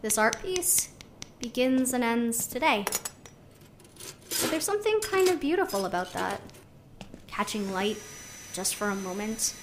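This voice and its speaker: A high-voiced, musing young artist. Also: female voice, very animated, a little slow, long pauses, slight background noise. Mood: wistful. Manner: musing, conversational. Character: spirited young woman artist, playful, idealistic, talking to recorder. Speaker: actor in a sci-fi audio drama. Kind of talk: audio drama monologue, naturalistic.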